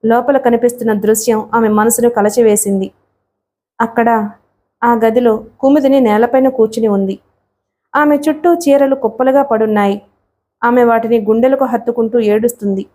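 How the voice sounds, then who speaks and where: A woman narrating a novel in a steady, measured storytelling voice. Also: on the high side. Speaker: audiobook narrator.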